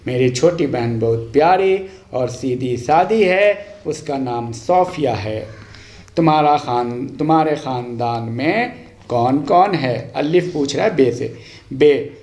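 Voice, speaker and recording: A man giving a language lesson, reading practice sentences aloud in a deliberate, instructive way, line by line. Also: fairly high pitch, darkish tone. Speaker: language teacher. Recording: echoey untreated room.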